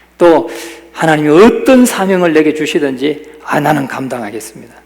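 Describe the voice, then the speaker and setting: A man with fairly high pitch speaks at a moderate pace with lively intonation. Audible echo fills the room. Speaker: senior pastor. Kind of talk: sermon. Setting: church. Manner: animated.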